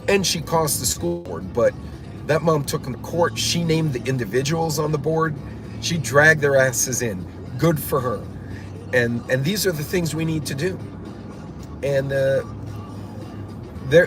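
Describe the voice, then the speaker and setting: A man hosting a prepper vlog in a car, talking bluntly and casually, with lots of fillers, restarts and swearing. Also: mid-range voice. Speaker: prepper channel host. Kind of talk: casual rambling vlog commentary. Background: classic rock music playing.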